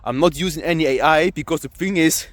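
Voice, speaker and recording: A young man from Luxembourg, a language vlogger, talks casually to camera with a Luxembourgish accent. He repeats himself often and fills pauses with "I mean" and "yeah", and his voice is a little high.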